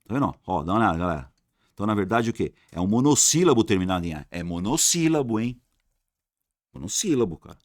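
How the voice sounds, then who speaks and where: A Brazilian man teaches Portuguese grammar for exams in a casual, colloquial online lesson, repeating key words to drill them and posing questions to students that he answers himself. His voice is on the low side, sing-song and quick, recorded in clean studio sound without room noise.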